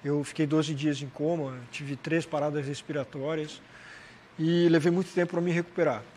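Higher-pitched man with a southern Brazilian accent. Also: fairly even intonation, normal speed, a little mellow, slight background noise. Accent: southern Brazilian, Santa Catarina. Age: 40s. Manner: conversational, frequent "né" and "cara" tags. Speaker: interview guest, motivational speaker. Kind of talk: personal storytelling in a TV interview. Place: TV studio, indoors. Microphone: lapel mic.

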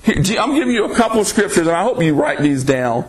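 A man preaching a sermon on a podcast, reading scripture aloud and pressing listeners with rhetorical questions. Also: big pitch swings. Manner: slow, emphatic delivery with sudden pitch swings.

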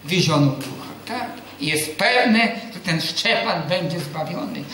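A man's voice: fairly high pitch, a little slow. A man preaching a sermon, quizzing the congregation with questions he answers himself and telling personal stories. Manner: tells personal stories with lively quoted dialogue. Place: church hall. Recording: very echoey hall.

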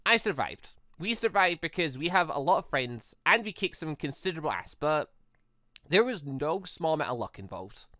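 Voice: medium pitch, sing-song, moderate pace, sharp tone, no room sound. Caring, insistent schoolgirl friend, read by a gamer. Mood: reflective. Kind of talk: visual novel dialogue read aloud.

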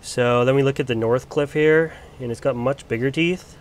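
A man's voice: mid-range voice, moderate pace. Male grower, recovering from a cold, chatty and unpolished, off-camera handheld vlog voice. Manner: chatty, loose, lots of ums and restarts. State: getting over a cold. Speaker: plant grower showing his collection. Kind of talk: casual filmed walk-through. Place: indoor grow area under bright lights.

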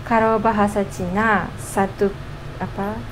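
A young Japanese woman chatting casually as a foreigner speaking halting Indonesian with a Japanese accent and interjections from her native language. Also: medium pitch, flat delivery, poor audio. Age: young adult. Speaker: co-host of couple's vlog. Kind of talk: casual chat. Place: small home kitchen, indoors. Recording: noticeable background noise, home kitchen.

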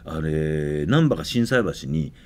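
A middle-aged man with a Kansai accent, chatting casually as a radio host and telling stories in an animated way. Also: a bass voice, takes it slowly. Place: radio studio.

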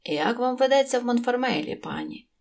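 Woman playing a calm, reserved traveller. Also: fairly high pitch, brisk, pitched above the performer's own voice. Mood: restrained. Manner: calm, restrained, few words. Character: quiet kind traveller, grown man.

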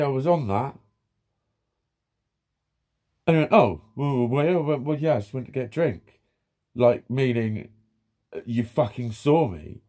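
With a mellow, medium-pitched voice, a man vlogs from a small room where he lounges, filmed close up. He tells a story as a casual rant, full of constant swearing, laughter, and acted-out quotes from other people.

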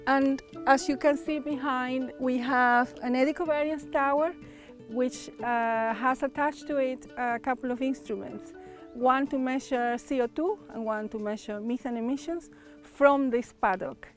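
A woman researcher explaining measurements outdoors in a pasture, steady with small hesitations. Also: sits high, a little slow. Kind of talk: on-camera explanation. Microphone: lapel mic. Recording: faint music underneath.

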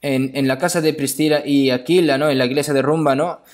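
Man preaching in halting phrases. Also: medium pitch, fairly even intonation. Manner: halting, repeats phrases, often adds questioning tags. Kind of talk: sermon with scripture reading.

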